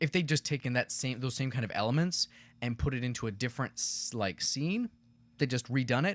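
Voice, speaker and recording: Very fast speech on a very clean recording with a silent background. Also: man. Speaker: podcast co-host discussing film. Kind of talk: casual podcast discussion. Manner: hesitant, many fillers.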